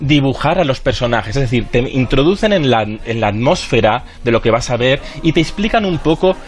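A man's voice: mid-range voice, animated, brisk, faint music behind. A man chatting on a radio show. He explains with many restarts and asides. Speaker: radio television commentator. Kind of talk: lively radio chat. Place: radio studio.

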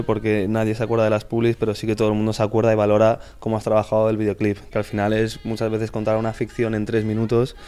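A man's voice: fairly low pitch, mellow, smooth. A man speaking as a director in an interview, casual and direct. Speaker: film director.

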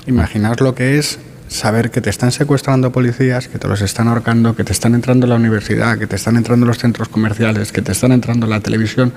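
A man's voice: mid-range voice, level tone, fast, a little mellow, slight background noise. A male commentator on a radio panel, speaking emphatically and stacking points in rhetorical lists. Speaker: political commentator.

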